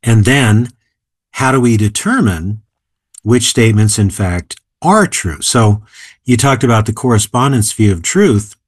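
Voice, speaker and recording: A man in his seventies, an author and philosopher, explaining ideas in a measured, emphatic way during an interview. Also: on the low side, lively intonation, slightly rough, dry recording. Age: 70s. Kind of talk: interview conversation.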